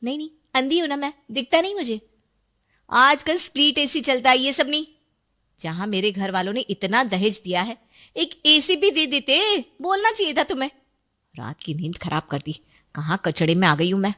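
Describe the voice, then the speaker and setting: Spoiled cartoon bride, shrill and complaining, voiced by a woman. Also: very animated, normal speed, sharp tone, full character voice. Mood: angry complaining. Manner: shrill, sarcastic, whiny. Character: spoiled, rude young bride, loud and complaining.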